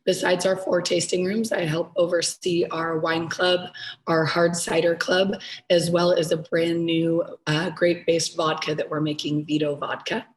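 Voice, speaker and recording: A hoarse woman who has lost her voice, a webinar panelist listing her tasting rooms in a matter-of-fact way. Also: lowish voice, level tone, unhurried, rough recording. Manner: matter-of-fact, lists facts. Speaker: panelist, sales manager. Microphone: video call.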